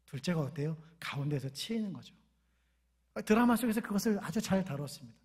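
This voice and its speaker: A middle-aged man preaches with a high, somewhat husky voice. He talks to the congregation casually, tells stories about home life and has them repeat key phrases back to him. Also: expressive, brisk, a little mellow. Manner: conversational preaching with everyday stories and call-and-response. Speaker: pastor. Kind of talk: sermon.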